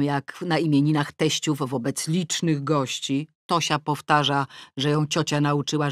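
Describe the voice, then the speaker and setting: A woman narrating an audiobook in the first person with a wry, ironic delivery and lively pitch swings, close to the mic. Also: no room sound. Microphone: close studio mic.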